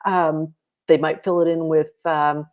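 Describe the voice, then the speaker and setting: A woman's voice: low voice, flat delivery, measured pace, highs cut off. A woman hosting a children's storytime, reading aloud and explaining things to parents. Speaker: storytime host and reader.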